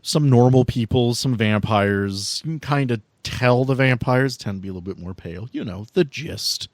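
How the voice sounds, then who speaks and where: A man's voice: mid-range voice, moderate pace, no echo. A man narrating an improvised tabletop game as game master in a conversational, informal way.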